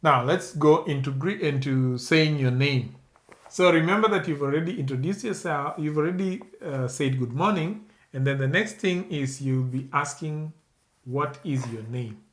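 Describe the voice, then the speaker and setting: A man's voice: a little high, moderate pace, a bit bright. A man with a Kenyan accent giving a beginner language lesson, patiently instructing and prompting the learner to repeat. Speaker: language teacher.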